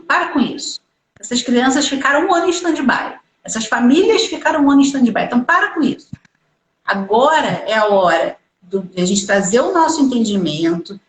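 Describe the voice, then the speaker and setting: A woman host leading a parenting live stream over a video call, with a fairly high voice and a pressing, insistent delivery. The sound carries an echoey room.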